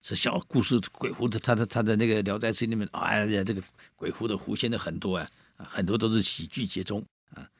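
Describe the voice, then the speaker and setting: A man telling a classic ghost story to an audience in a chatty, lively way, full of asides to his listeners. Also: fairly low pitch, fast, slightly rough, no echo, clean studio sound. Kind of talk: casual oral storytelling to an audience.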